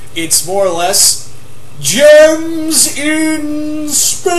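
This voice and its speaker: A high-pitched, put-on character voice over clear background noise. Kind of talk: announcer voice.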